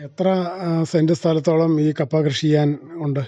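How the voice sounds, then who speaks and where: A man's voice: on the high side, flat delivery, normal speed, mellow, no echo. A man, asking questions as a radio interviewer. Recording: dull, muffled radio recording.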